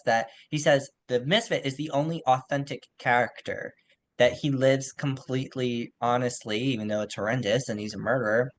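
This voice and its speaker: A man's voice: medium pitch, slight background noise. A man co-hosting a podcast, discussing literature casually and qualifying his points as he goes, on slightly poor audio. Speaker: podcast co-host.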